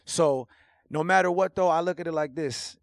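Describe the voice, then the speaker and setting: A man's voice: a little high, normal speed, dry recording, studio quality. Emphatic slangy man, Portuguese native. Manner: animated slangy talk, emphatic swearing. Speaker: guest rapper. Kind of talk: casual podcast chat.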